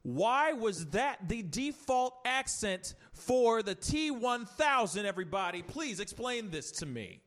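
A man's voice: very high-pitched, fairly bright tone. A man hosting a casual podcast chat, ranting animatedly with rhetorical questions and many restarts. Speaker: podcast host.

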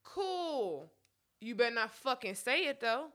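Woman podcast co-host, high bright voice, blunt and cussing a lot. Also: a little slow. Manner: blunt, profane, animated. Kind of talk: casual chat.

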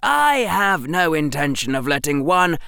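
A man's voice: on the high side, big pitch swings, measured pace, creaky, bright, forceful tone, clear, resonant tone, dry recording, studio quality, pitched above the performer's own voice, heavily acted. A man voicing a coldly defiant eleven-year-old boy wizard with an icy, precise delivery. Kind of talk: audiobook character voice.

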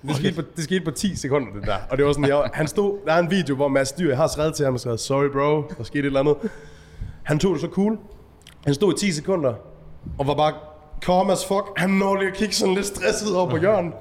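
A man telling stories in a casual podcast chat, animated and acting out shouted quotes. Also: on the high side, in a large hall. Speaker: event organizer.

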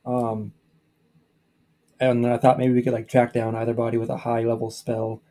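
Mellow-voiced man listing ideas hesitantly. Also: medium pitch, completely flat delivery, moderate pace, a little hiss or hum. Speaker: player. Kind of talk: casual podcast chat.

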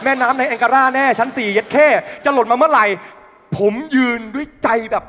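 A young man doing stand-up, telling an animated, profane story full of sound effects. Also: very high-pitched, a little fast, background noise. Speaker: comedian. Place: studio stage. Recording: long reverb in a studio hall.

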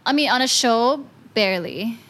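A woman's voice: fairly high pitch, normal speed, a bit bright. A young woman, a singer and actress, chatting casually as an interview guest, talking freely and laughing often. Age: young adult.

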